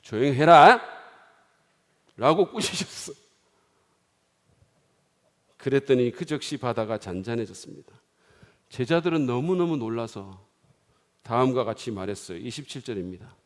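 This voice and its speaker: A middle-aged man preaching a sermon in a church, swinging dramatically from hushed, quiet lines to loud exclaiming. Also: medium pitch, expressive, brisk. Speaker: pastor. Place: church sanctuary. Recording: long hall reverb.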